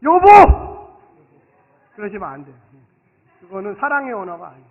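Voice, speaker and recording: A man preaching a Sunday sermon as pastor, animated, swinging from soft asides to loud exclamations and leading the congregation to repeat after him. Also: extremely high pitch, fairly quick. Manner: acts out dialogue and leads the congregation in call-and-response. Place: church sanctuary. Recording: reverberant hall, thin phone-like sound.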